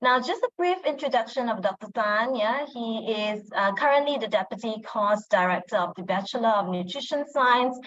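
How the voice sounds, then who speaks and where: A woman's voice: a little high, expressive, moderate pace, hardly any pauses, a bit bright. A woman moderating a live webinar who fills her talk with "yeah, okay" and "you know". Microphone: video call. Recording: dull lo-fi video call audio.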